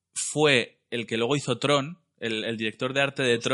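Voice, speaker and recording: The background is quiet as a man speaks at a fairly slow pace. His tone is bright and sharp, with fairly even intonation. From Zaragoza, Spain. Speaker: illustrator. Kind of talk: casual chat. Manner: halting, repeats words.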